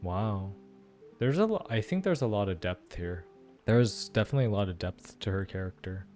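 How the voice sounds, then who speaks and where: A man's voice: fairly low pitch, animated, moderate pace, a little mellow. A young man giving informal, musing reactions and commentary during a game playthrough. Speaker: gaming content creator. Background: faint game music.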